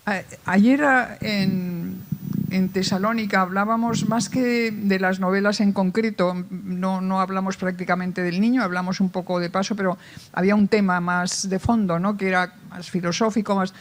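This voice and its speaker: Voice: medium pitch, fairly even intonation, moderate pace. An interviewer at a book presentation asking long, rambling questions with hesitant phrasing. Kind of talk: conversational questions.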